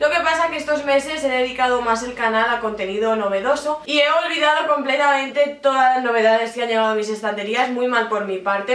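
The speaker has a Spanish accent and talks at a fairly quick pace with hardly any pauses. Pitch variation is ordinary, and there is audible room echo. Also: woman. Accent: Spanish from Spain. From Castilla-La Mancha, Spain. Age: 20s. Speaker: book youtuber, journalist. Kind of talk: casual talk to camera. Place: home room.

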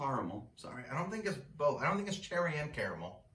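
Fairly quick speech with audible room echo and light background noise. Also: man. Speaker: home coffee reviewer. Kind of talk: casual tasting commentary. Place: kitchen. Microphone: camera far.

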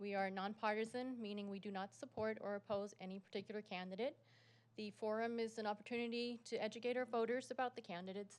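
Talking at a very fast pace, a woman keeps her fairly high voice in fairly even intonation. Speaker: PTA council president giving report at school board meeting. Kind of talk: prepared report at public meeting. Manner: many filler ums.

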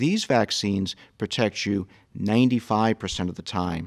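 The speaker is a man. His pitch varies in a normal way. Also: quiet background. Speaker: hospital executive. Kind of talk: public briefing. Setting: video call. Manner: halting, frequent repetitions and fillers. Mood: calm, reassuring, explanatory. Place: studio. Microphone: studio mic.

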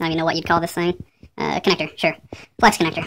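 Light background noise sits behind this voice. A woman speaks at a fairly low pitch. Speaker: DIY homeowner. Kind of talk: DIY tutorial narration. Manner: sped up, fast; casual, hesitant. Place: home room. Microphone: phone near.

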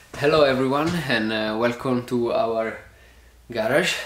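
A man talks at a moderate pace, his intonation fairly even. Audible room echo and light background noise surround him. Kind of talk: casual vlog chat. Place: garage. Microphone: phone near.

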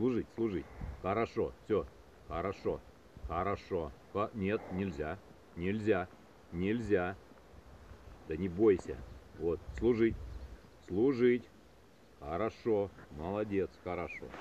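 A man speaks at a very slow pace in a fairly low pitch, leaving long, frequent pauses, with a dry sound with no echo and light background noise. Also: ordinary pitch variation. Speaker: dog trainer. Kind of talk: commands and praise to dogs. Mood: warm, playful, laughing. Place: forest. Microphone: camera far.

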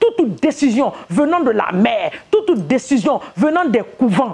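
A woman talks fairly slowly at a high pitch. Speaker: prayer leader. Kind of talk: fervent spoken prayer. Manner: insistent, exhorting, commanding tone. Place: home room. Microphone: lapel.

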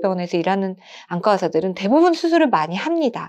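Against a quiet background, a woman talks at a very fast pace, her pitch swinging very widely. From South Korea. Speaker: ophthalmologist. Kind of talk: informational talk to camera. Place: studio.

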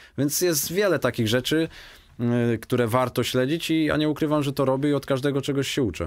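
Speaking at a fairly quick pace, a man has a fairly high pitch with ordinary pitch variation. His loudness stays very even, and the background is quiet. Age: 30s. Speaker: footballer; guest. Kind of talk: radio interview. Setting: radio studio. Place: studio. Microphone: studio mic.

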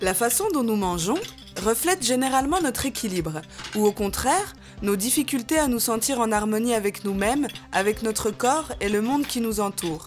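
With music in the background, a woman speaks at a moderate pace in a fairly high pitch. Her intonation is lively and her loudness very even. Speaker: voice-over narrator. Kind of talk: educational health narration.

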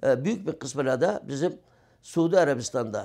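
This man's voice is fairly high in pitch. He talks at a moderate speed. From East Turkestan (Yarkand), raised in Kayseri, Turkey from age 15. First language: Uyghur (speaking Turkish). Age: 60s. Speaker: community activist, foundation leader. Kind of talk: interview. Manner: hesitant, many filler sounds.

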